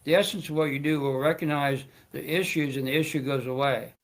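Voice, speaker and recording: A man's voice: a little high, fairly even intonation, a little fast, very noisy. A man hosting his own talk show, speaking in a rambling, stammering way with frequent restarts and joking asides. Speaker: show host.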